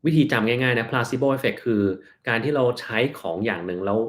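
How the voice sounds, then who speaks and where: A medium-pitched male voice belongs to a doctor answering health questions on a live stream. He reads each viewer's question aloud, then responds simply and calmly, taking his time over any terms that need explaining.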